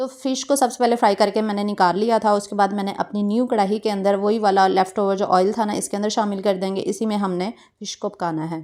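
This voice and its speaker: A woman of medium pitch speaks at a moderate pace with fairly even intonation and hardly any pauses. The recording is very clean, with a silent background. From Punjab, Pakistan. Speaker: vlogger. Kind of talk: cooking tutorial; casual chat.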